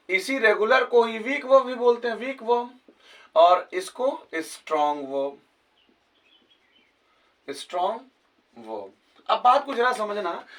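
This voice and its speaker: A man teaching a grammar lesson with a Hindi accent, his voice sitting fairly high. He keeps asking rhetorical questions to check that his students follow. The mic is set a little way back, so he sounds distant. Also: fairly bright tone. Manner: asks many rhetorical questions to check understanding. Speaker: English teacher.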